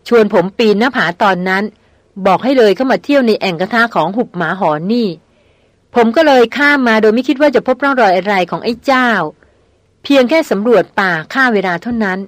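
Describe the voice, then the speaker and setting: A woman reading the part of a tough male veteran jungle hunter, telling his story in a steady, matter-of-fact way in an audiobook. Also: a little high, dry recording, natural voice.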